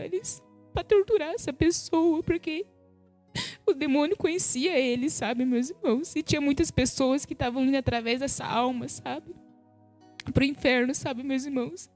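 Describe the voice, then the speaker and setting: A woman's voice: sits high, darkish tone. A woman giving an emotional spiritual testimony on a live stream, often turning to her listeners as brothers and sisters. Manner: emotional retelling, repeats "sabe, meus irmãos". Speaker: guest giving a religious testimony.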